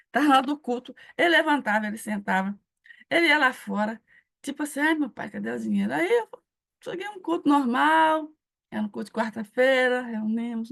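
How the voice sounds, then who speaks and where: Gravelly Brazilian woman preaching a testimony. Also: sits high. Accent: Brazilian Portuguese. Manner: animated storytelling, acting out dialogue. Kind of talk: testimony sermon.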